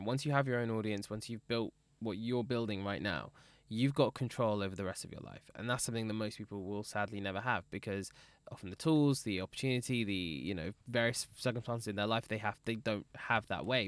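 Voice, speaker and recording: A man's voice: fairly low pitch, fairly quick, fairly bright tone, clean tone, dry recording. A man hosting a podcast, encouraging and affirming as he interviews a guest and wraps up the episode. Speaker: podcast host.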